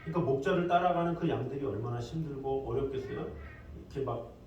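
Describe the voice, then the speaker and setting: Pastor preaching in an echoey hall. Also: male voice, medium pitch, fast, highs cut off. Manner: conversational preaching with lively asides. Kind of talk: sermon. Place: church sanctuary. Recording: echoey hall, distant mic, faint noise.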